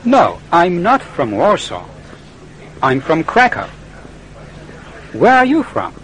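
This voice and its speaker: A polite young foreign student who speaks careful, formal English with a little hesitation. His pitch rides high and swings very widely, and there is a faint hiss in the background. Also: wildly swooping pitch, takes it slowly, fairly bright tone, heavily acted, poor audio. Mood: earnest. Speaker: interviewee. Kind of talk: scripted learner dialogue.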